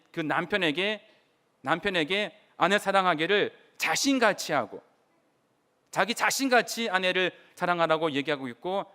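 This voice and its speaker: Man, pastor, earnest sermon, questions to the congregation, high voice, clear and resonant tone. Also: pushed and bright. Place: church sanctuary.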